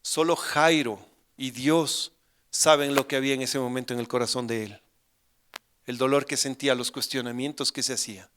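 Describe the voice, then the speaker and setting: A middle-aged male pastor preaching a sermon, acting out urgent pleas with rising intensity and then dropping to hushed, grave tones. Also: mid-range voice, steady tone, moderate pace, clear, resonant tone.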